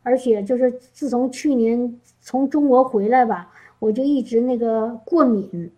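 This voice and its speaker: Woman, high and mellow voice, heartfelt church testimony, searching and repetitive. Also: measured pace, low-quality recording. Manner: emotional, repeats words, asks listeners questions. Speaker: church speaker. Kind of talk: testimony sermon.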